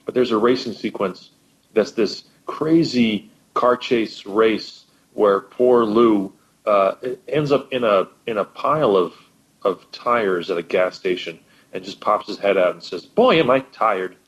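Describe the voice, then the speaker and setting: A man who is a musician, a guest telling stories in animated casual chat. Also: lowish voice, measured pace. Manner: animated storytelling. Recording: dull, lo-fi line.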